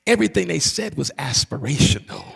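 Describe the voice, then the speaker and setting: A pastor from Barbados teaches a sermon at a moderate pace, his gravelly, husky voice lively in pitch. Preacherly, he repeats key phrases for emphasis and tosses call-and-response asides to the congregation, all within the long reverb of a large hall.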